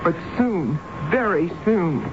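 A woman's voice: fairly low pitch, animated, slow pace. Insistent, frightened woman on lo-fi radio. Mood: urgent, desperate. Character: insistent, frightened woman convinced of alien warnings. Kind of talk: 1970s radio drama acting. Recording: dull, noisy radio recording.

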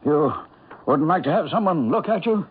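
Very husky, high-voiced neighbor. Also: male voice, expressive, moderate pace. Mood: solicitous. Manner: polite, hesitant, neighborly. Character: concerned, deferential neighbor man. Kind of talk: 1970s radio drama acting. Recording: thin phone-like old radio recording.

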